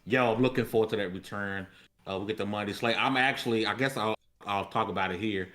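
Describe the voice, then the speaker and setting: A man's voice: fairly low pitch, quick pace, fairly bright tone. A man co-hosting a gaming podcast, talking in casual, slangy banter. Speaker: podcast co-host.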